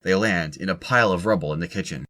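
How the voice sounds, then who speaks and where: A man's voice: low-pitched, fast, sharp tone. A man reading scripted narration for an audio drama as its narrator.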